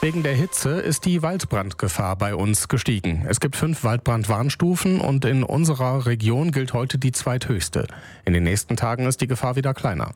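A man reading scripted regional news on the radio in a calm, measured, even delivery. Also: mid-range voice, faint music behind. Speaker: newsreader. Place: radio studio. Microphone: close studio microphone.

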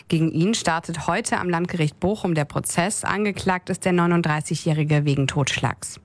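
A woman reading the regional radio news, calm and clear. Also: lowish voice, no echo. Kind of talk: read radio news bulletin.

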